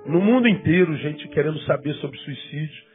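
A fifty-year-old Brazilian pastor with a Rio de Janeiro accent, preaching conversationally to a congregation and repeating words for emphasis. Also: male voice, fairly high pitch, lively intonation, normal speed. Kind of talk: sermon, conversational teaching to a congregation. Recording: thin phone-like sound, guitar music behind.

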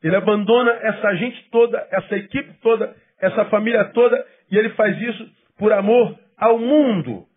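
A male pastor preaching a sermon, emphatic and then dropping to quiet asides. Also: high voice, narrow, tinny audio, a little hiss or hum. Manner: acts out quoted people in quick bursts.

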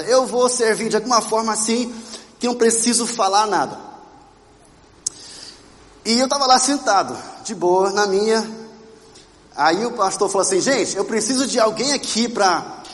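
A Brazilian man preaching to a congregation, telling his own story in a lively way and putting questions to the listeners. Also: high-pitched. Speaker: pastor. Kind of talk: sermon with personal testimony. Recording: reverberant church hall.

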